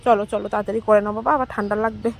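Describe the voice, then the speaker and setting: A young woman narrating a casual home vlog as a mother, chatty and talking brightly to her toddler between remarks to viewers. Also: mid-range voice, level tone, very fast, gravelly. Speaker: mother vlogger.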